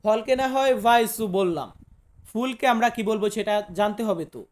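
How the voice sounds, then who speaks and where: A man from Bangladesh teaches words to his viewers one at a time. He says each term twice, slowly and deliberately. He often poses a question and then answers it himself. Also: high-pitched, lively intonation. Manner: repeats each word slowly, asks rhetorical questions. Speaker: language teacher. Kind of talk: vocabulary lesson for viewers.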